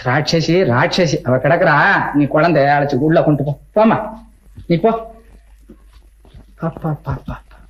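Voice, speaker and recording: An actor playing a kindly, soft-hearted old grandfather who talks gently and grumbles at his wife, in a 1960s film drama. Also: a little high, normal speed, natural voice. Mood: grumbling. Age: older. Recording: dull old film soundtrack.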